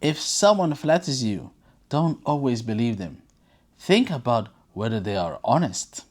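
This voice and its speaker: Storyteller as sly female fox for a storybook fable: coaxing, drawn-out lines, swooping intonation. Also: medium pitch, very animated, darkish tone. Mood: smug advice. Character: crafty, flattering female fox in a children's fable.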